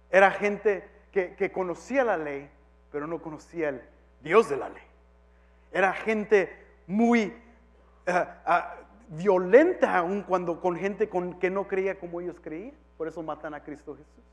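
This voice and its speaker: Pastor, male, very high voice, preaches with sudden shouts, switches into English now and then, long hall echo. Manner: swings from quiet to shouting; mixes English phrases into Spanish. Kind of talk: sermon.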